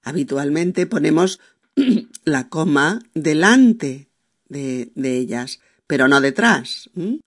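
A man teaches a podcast lesson at a very unhurried pace. His voice sits a little high for a man. He stays patient and keeps checking that listeners follow. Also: animated. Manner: patient, with many checks like "¿de acuerdo?" and "¿mm?"; reads example sentences aloud with the punctuation named. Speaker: Spanish teacher and podcast host. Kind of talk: slow didactic podcast lesson.

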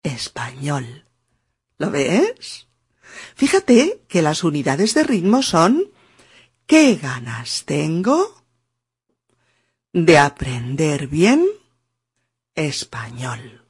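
Woman w a teaching spanish on a podcast, low husky voice, super slow. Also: huge pitch swings. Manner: slow, deliberate, sounds out rhythm. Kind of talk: podcast lesson dialogue.

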